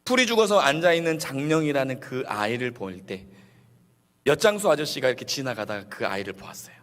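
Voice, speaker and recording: A male pastor preaching a Sunday sermon in an animated way, acting out the quotes he tells. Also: mid-range voice, fairly quick. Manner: animated, acts out quotes with shifting voices. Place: church sanctuary. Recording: long church reverb.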